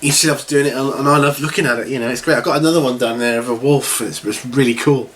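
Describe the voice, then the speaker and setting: Congested man over clear background noise. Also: mid-range voice, fairly even intonation, quick pace, a bit bright. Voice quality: congested, slightly stuffy. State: recovering from a cold, with a cough. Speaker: host of a hobby question-and-answer video series. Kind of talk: casual chat to camera. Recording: clearly noisy home recording.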